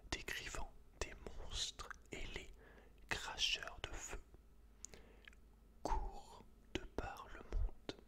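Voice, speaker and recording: A man whispering in an ASMR style, hushed and intimate, as a host chatting and reading aloud to one listener.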